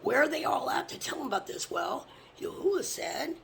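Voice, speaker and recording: A fervent religious teacher preaching from scripture, blunt and sometimes swearing, often dropping into a hushed whisper. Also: sits high, big pitch swings, moderate pace, gravelly, background noise.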